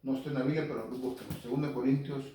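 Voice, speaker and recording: A man gives an earnest, conversational Bible talk on the radio, repeating points and speaking straight to his listeners. His voice is mellow and warm. He sits well back from the microphone, and the room sounds very echoey. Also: mid-range voice, level tone, very fast, a little hiss or hum. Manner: earnest, repetitive, addresses listeners directly. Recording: very echoey, speaker far from mic.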